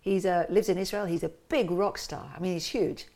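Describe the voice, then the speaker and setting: A woman telling family and cultural stories as an interview guest in a lively, animated way. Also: on the low side, fairly quick. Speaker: interview guest, musician and cartoonist. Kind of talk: casual conversational interview.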